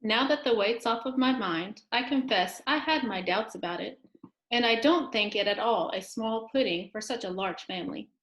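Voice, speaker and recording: A woman playing a proud, sharp-tongued wife and mother in a dramatic storybook reading. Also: fairly high pitch, moderate pace, close to an everyday voice. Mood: nervous, relieved. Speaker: amateur reader, library staff. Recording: echoey room.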